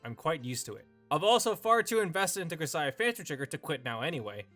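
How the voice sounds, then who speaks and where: Animated man narrating with lively pitch swings. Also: fast, soft background music. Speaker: video essay host. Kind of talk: scripted opinion narration.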